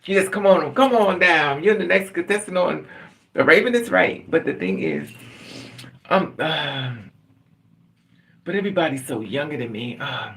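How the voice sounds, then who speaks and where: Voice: medium pitch, expressive, moderate pace, long pauses, a bit bright. A middle-aged livestream host chatting casually and candidly with viewers, laughing often and calling on them by name.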